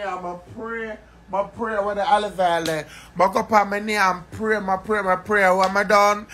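Man for an emotional vlog rant; high-pitched, circles back to the same phrases again and again. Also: sharp tone. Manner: rambling, repeats phrases over and over.

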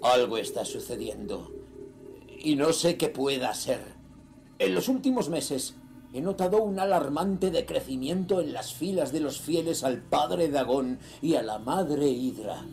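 A man's voice: fairly high pitch, animated, unhurried, gravelly, darkish tone, a little hiss or hum. An actor playing a ruthless cult leader reading his sinister diary in a horror audio drama, solemn, menacing and theatrical. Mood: bitter, vengeful.

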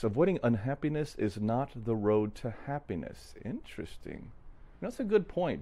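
This solo podcast, recorded while its host travels in an RV, features a man with a mellow, mid-range voice. He reflects aloud without a script, thoughtful and musing, frequently restarting and chuckling along the way.

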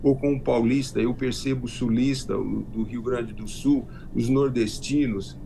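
An older man with a rural Minas Gerais accent, answering interview questions slowly over a video call from his home library, often restarting his sentences. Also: medium pitch, fairly even intonation, creaky, warm tone, a little hiss or hum, low-quality recording. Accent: rural Minas Gerais Portuguese. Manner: unhurried, with frequent restarts. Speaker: guest, self-taught linguist. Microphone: video call webcam.

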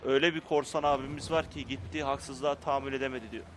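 A man commenting casually on his gameplay, playfully arguing with the game's characters and swinging from muttering to loud outbursts. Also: medium pitch, steady tone, fast talker, a little hiss or hum. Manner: playful, talks to game characters in mock indignation. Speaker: gaming YouTuber.

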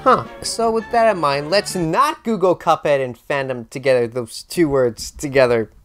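A man's voice: a little high, moderate pace. A young man hosts a comedic scripted commentary, speaking to camera in an exaggerated, mock-dramatic way. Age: young adult. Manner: animated, exaggerated delivery with mock-dramatic asides. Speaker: YouTube host. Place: indoor room with bare wall. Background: faint music.

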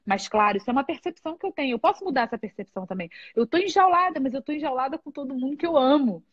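A woman's voice: sits high, lively intonation, rapid-fire, no echo, dull audio. A Brazilian woman, a guest on a live video chat, talking candidly and expressively with frequent laughs. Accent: Brazilian Portuguese.

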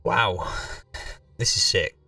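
A man's voice: on the low side, slow, gravelly, bright, forceful tone, no echo, recorded from a distance. A man giving casual, informal live commentary as he streams a video game, swearing now and then.

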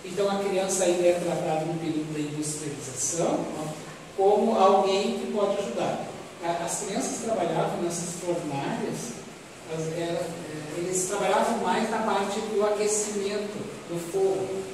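A man's voice: sits high, normal speed. Man, Brazilian accent, spiritist lecturer, didactic, repetitive phrasing, far from the microphone, very noisy recording. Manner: didactic, repeats phrases, asks rhetorical questions. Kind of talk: expository religious lecture to an audience. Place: medium-sized meeting room, indoors. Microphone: distant audience camera. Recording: echoey hall, distant microphone, loud noise.

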